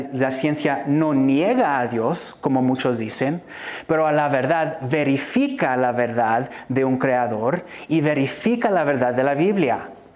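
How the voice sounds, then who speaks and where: A man at a fairly slow pace with ordinary pitch variation, audible room echo and noticeable background noise. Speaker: preacher. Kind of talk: sermon. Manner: halting.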